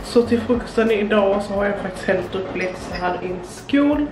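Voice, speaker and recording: In an animated mid-range voice, a young Swedish woman talks casually through her cooking, leaning heavily on fillers as she describes each step. A camera on the counter records her from a short distance in a small indoor kitchen, so the audio is echoey and noisy.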